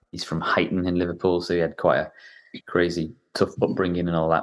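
Very fast and monotone, a man speaks with a very deep, low pitch and flat intonation. The background is quiet. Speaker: podcast host. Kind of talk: casual chat.

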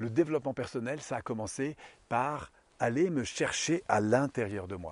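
A man talks in a normal speaking voice at a medium pitch. His intonation is lively, and the sound is dry and close with no echo. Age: 50s. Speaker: personal development coach. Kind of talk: personal monologue.

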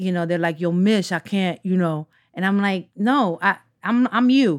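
At a moderate pace, a woman speaks at medium pitch with lively intonation. The recording is very clean, with a silent background and a dry, close sound with no echo. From New York, the Bronx, Puerto Rican family. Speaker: actor. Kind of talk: interview. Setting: outdoors. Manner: animated.

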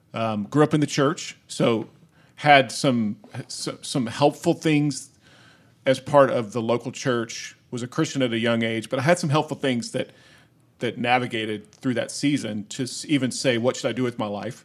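In a plain, everyday voice with an American accent, the speaker talks at a moderate pace with ordinary pitch variation. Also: man, medium pitch for a man. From Oklahoma. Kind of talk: casual interview. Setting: studio.

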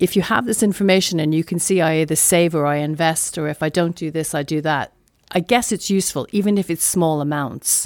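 A woman with a non-native accent speaks with ordinary pitch variation. Her voice sounds dry and close with no echo, captured in a very clean recording with a silent background. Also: fairly quick pace. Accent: non-British foreign. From outside the UK, Italian passport. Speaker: fintech executive and lecturer. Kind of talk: casual panel discussion. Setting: office studio.

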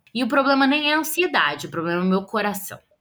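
A woman speaking, the recording very clean and the background silent. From Brazil, Belo Horizonte, Minas Gerais. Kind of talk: interview about faith and mental health.

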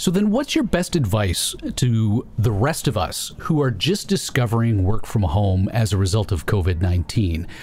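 This man talks at a moderate pace with a fairly low pitch, lively intonation, a somewhat breathy quality and very even loudness. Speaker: podcast host. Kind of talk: casual banter interview. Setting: studio, live recording. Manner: animated, jokey.

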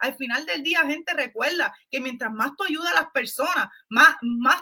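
In a Puerto Rican accent, a woman uses a raised, projected voice with a bright, sharp tone, high pitch, ordinary pitch variation and a moderate pace. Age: 20s. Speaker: network marketing team leader. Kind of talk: motivational talk.

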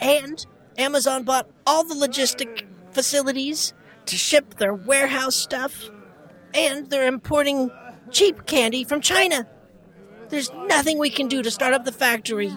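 High pitch at a moderate pace, with long, frequent pauses. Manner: angry, ranting.

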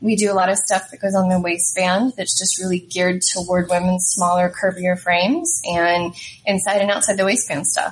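Medium-pitched woman with an American accent at a fairly quick pace, amid noticeable background noise. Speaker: holster company owner. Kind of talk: casual interview.

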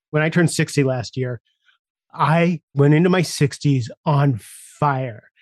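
A man speaks at a very slow pace in a fairly high pitch. His pitch variation is ordinary. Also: quiet background. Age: 60s. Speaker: podcast host. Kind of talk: interview conversation.

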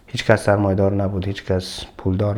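A man's fairly low voice at a moderate pace. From Afghanistan. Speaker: refugee rights activist. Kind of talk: interview. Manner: halting.

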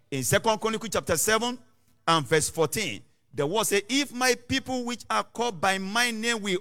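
Raised and projected, a man's voice sits high in pitch with a bright, sharp tone and lively intonation. The recording is very clean, with a silent background. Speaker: prayer leader. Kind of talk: fervent group prayer leading. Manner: fervent, commanding.

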